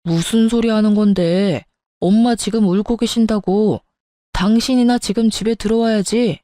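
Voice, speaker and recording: A woman's voice: mid-range voice, fairly even intonation, normal speed, mellow, dry recording, clean studio sound, close to an everyday voice. A woman voicing an irritated husband who snaps and blames his wife in a spoken story. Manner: blaming, curt and dismissive.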